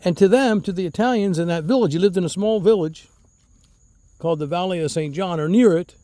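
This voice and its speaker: A man's voice: high voice, fairly quick, mellow, no room sound. A man telling stories in a casual, rambling vlog, chuckling often and repeating his words, outdoors among his fig trees. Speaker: fig grower and channel host.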